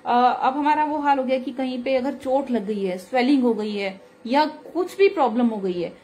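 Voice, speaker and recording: A woman's voice: a little high, a little mellow, slight background noise. Earnest woman telling a devotional story. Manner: earnest, chatty storytelling with many fillers. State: slightly hoarse throat. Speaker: satsang speaker. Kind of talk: devotional singing then testimony talk. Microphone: phone close to face.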